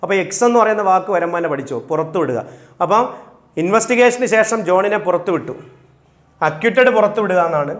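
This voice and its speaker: A male exam coach with a Malayalam accent, reading English questions out slowly and then explaining the answers quickly. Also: high voice, expressive. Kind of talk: recorded exam-prep lesson.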